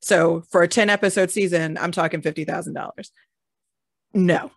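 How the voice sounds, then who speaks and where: Lowish-voiced woman, blunt and jokey, swears a bit, dry close sound. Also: steady tone, moderate pace, gravelly, no echo. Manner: frank, laughing, swears casually. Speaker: audio drama creator. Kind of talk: casual panel talk.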